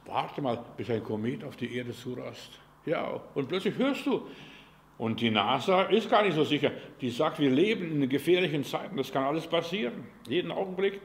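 A man preaching a sermon in a fervent, folksy way, asking rhetorical questions and swinging between loud and quiet. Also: medium pitch. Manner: folksy and direct, speaks to the listener as "du".

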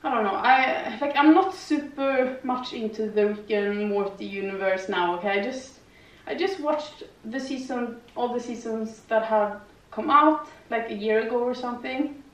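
A woman's voice: on the high side, moderate pace. A young woman with a foreign accent chatting casually in a rambling way, full of fillers and tag questions, while doing yoga in her living room. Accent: non-native English, lives in Sweden. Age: young adult. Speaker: vlogger. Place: living room with slanted ceiling, indoors. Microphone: far camera. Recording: roomy, distant, dull camera audio.

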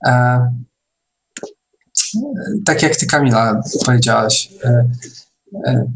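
A man hosting a casual online discussion, speaking haltingly and often repeating his words. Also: mid-range voice, steady tone, a little hiss or hum, low-quality recording. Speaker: online meeting host.

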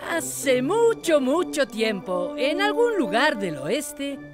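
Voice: high voice, huge pitch swings, slow, music in the background, exaggerated voice. An actor voicing an earnest, easily flustered male tomato who politely hosts and narrates a cartoon show. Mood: storytelling. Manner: polite, hesitant, explanatory. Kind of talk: cartoon hosting and story narration.

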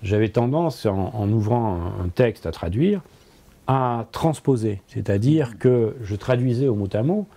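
A man's voice: mid-range voice, expressive, dark tone. A French-speaking man in his sixties, a philosopher giving an interview in a book-lined office, speaking thoughtfully with many hesitations and repeated words. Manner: thoughtful, halting, frequent repetitions and hesitations. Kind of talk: conversational interview.

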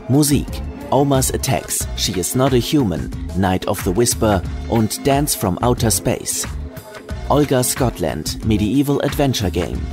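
Male narrator for comedy radio play: lowish, unhurried, animated intonation, music bed. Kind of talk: scripted comedy audio drama narration.

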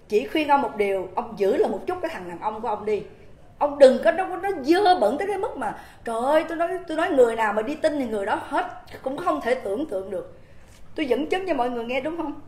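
Indignant high-voiced Southern Vietnamese woman. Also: a little mellow. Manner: indignant, emphatic, repeats rhetorical questions to viewers. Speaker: livestream host. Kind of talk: impassioned livestream monologue. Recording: roomy echoing room.

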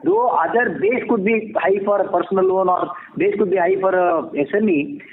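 Indian man, senior banking type, measured earnings-call answers, high register, thin telephone sound. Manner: measured, formal, explanatory. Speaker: bank executive answering analysts. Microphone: phone conference call. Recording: tinny phone line with clear noise.

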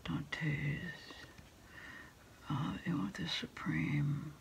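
A woman doing a quiet ASMR roleplay as a food delivery order taker on the phone, whispery and soft-spoken, with hesitant, halting phrases. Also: low voice. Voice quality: whispery, breathy, mostly unvoiced. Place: small dim desk corner indoors.

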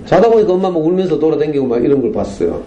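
경상도 억양의 중년 남성이 학교 강당에서 학부모들에게 청중에게 질문을 던지며 생생하게 이야기를 풀어내는 강연을 합니다. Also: male voice, on the high side, very fast, highs cut off, slight background noise. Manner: animated storytelling, rhetorical questions to the audience. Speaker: parenting lecturer. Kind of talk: lively lecture to parents. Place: school lecture hall.

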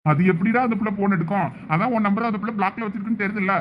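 A man with a high voice talks very fast, scolding a friend with plain exasperation. The audio is slightly dull, with faint noise underneath. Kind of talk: amateur village comedy drama acting.

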